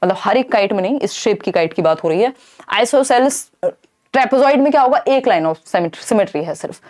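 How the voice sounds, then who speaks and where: A woman's voice: a little high, lively intonation, moderate pace, darkish tone. A young woman teaching an exam-prep lesson, explaining with rhetorical questions and mixing in English terms. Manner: explains in Hindi with English terms, asks and answers own questions.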